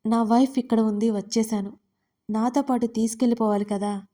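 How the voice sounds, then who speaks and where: A woman plays a possessive young husband in an audio drama, pushing hard with insistent questions. The voice stays mellow and sits on the high side. He keeps the pressure on throughout. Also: fairly even intonation, normal speed, lightly acted. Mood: teasing.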